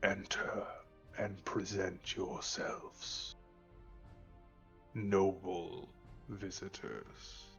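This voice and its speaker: Over clear background music, a man uses a put-on character voice that is raspy. He talks at a very slow pace with long, frequent pauses. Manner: commanding, ominous.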